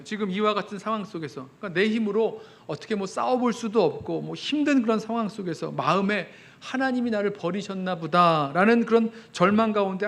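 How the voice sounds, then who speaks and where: Male pastor, higher-pitched voice, impassioned sermon at a prayer meeting, asks the congregation questions, pleads at his peaks. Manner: rises to impassioned pleading when voicing the psalmist; addresses congregation directly with rhetorical questions. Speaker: senior pastor. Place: church sanctuary.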